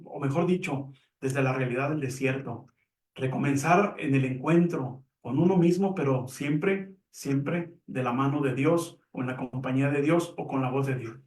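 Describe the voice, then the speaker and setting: A man giving a calm, measured religious lesson, explaining with simple examples. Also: on the high side. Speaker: Catholic teacher on a program. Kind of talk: reflective religious teaching. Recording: echoey room, mic at a distance.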